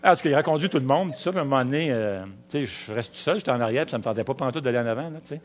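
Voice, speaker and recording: A middle-aged man with a Quebec French accent, preaching a sermon, weaving in personal stories and slowing down to stress key words. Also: medium pitch, expressive, slight background noise.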